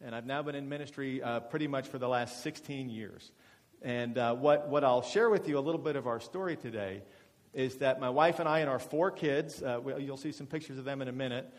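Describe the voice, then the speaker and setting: In a medium-pitched, brisk voice, a man in his forties gives a chatty, self-deprecating testimony to a congregation as a guest speaker, full of fillers and restarts. It's recorded in a reverberant church meeting hall.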